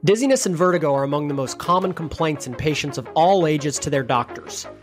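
A man reading a formal scripted introduction in a measured way. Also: on the high side, animated. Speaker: show introduction announcer. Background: faint music.

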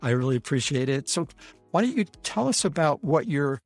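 A man hosting a podcast, speaking in a reflective, measured way while asking his guest questions. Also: on the high side, big pitch swings, dry recording, faint music behind. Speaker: podcast host. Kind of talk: conversational interview.

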